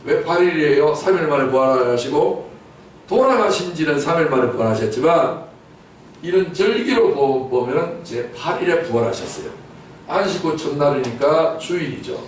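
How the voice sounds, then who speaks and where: In a church sanctuary, a man with a fairly high, animated voice preaches a Sunday sermon at a moderate pace. As pastor he quizzes the congregation, hammers key words through rhetorical repetition, and bursts out loudly at times, all caught from afar in an echoey room with faint noise.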